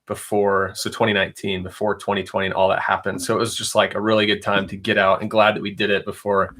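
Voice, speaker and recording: A man's voice: lowish voice, flat delivery, fast, pushed and bright. A young adult man hosting a casual live stream, chatting in a rambling way and reading viewer questions aloud. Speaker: reseller livestream host.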